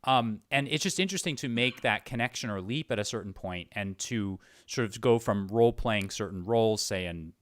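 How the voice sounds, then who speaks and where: A man's voice: lowish voice, brisk, hardly any pauses, no echo. A man interviewing in a casual, reflective way, thinking aloud as he goes. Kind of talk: casual thoughtful conversation.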